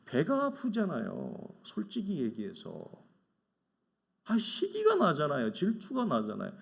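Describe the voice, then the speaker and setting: Lively, animated Korean pastor preaching. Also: male voice, on the high side, a little slow, gravelly, breathy edge. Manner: conversational preaching with rhetorical questions; acts out quoted voices of envious people. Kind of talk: sermon.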